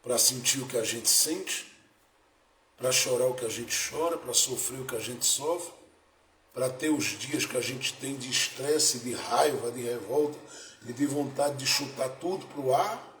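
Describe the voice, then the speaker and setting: A male pastor preaching a sermon, moving between soft lines and loud, dramatic ones. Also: medium pitch, a little slow, a little hiss or hum. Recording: echoey room with faint ambience.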